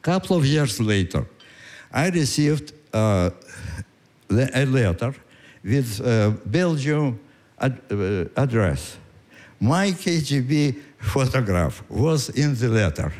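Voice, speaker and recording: A man in his nineties with a Russian accent, telling a story on stage in a halting way with many pauses and fillers. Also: medium pitch, very animated, a little mellow. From Ukraine. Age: 90s. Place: stage before a live audience.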